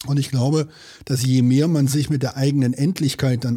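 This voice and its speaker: A man talks at a moderate pace in a dark, mellow tone that is somewhat breathy. The recording is very clean, with a silent background. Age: 50s. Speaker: podcast host, investment firm editor. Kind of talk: interview-style casual chat. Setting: studio.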